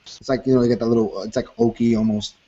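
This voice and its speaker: A man's voice: medium pitch, little pitch movement, quick pace, mellow, lo-fi sound. A man describing a beer on a video call, rambling with many fillers. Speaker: co-host. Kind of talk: casual beer tasting chat.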